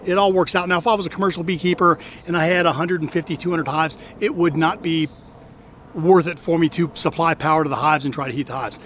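A middle-aged hobbyist beekeeper chats to the camera in a fairly high voice, exclaiming and restarting his sentences. He is recorded outdoors from a camera a few steps away, with a faint hum of insects and yard noise behind him. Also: fast talker, fairly bright tone. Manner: chatty, exclaims, restarts and repeats himself. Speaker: hobbyist beekeeper and channel host. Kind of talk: casual how-to vlog. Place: outdoors in a wooded backyard apiary. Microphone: camera on a tripod at a distance.

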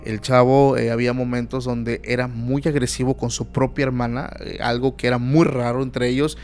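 A man's voice: medium pitch, level tone, normal speed, a little mellow, faint music behind. A man with a Mexican accent, a podcast guest telling an eerie story in a casual, emphatic way with many fillers.

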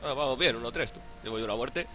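Faint music plays behind a man with a medium-pitched, sharp voice speaking quickly. He's a hungover gaming YouTuber from Spain, accent and all, offering loose, joking commentary laced with crude, foul-mouthed slang.

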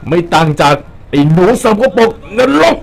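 Excitable young man narrating a game. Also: on the high side, moderate pace. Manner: joking, excitable, swears at enemies. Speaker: gameplay commentator. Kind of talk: casual Let's Play commentary.

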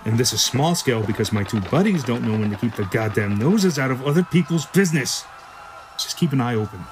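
A man playing a jaded, foul-mouthed black-market shopkeeper in a sci-fi audio drama, gruff and offhand. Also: medium pitch, lively intonation, a little fast, music in the background, natural voice. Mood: defiant, agitated. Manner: gruff, profane, offhand storytelling.

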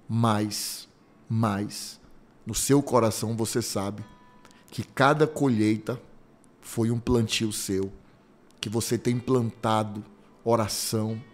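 Brazilian preacher telling a story over soft music. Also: male voice, on the low side. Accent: Brazilian Portuguese. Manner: storytelling, acting out quoted dialogue, slow emphatic repetitions. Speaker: bishop preaching. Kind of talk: conversational sermon.

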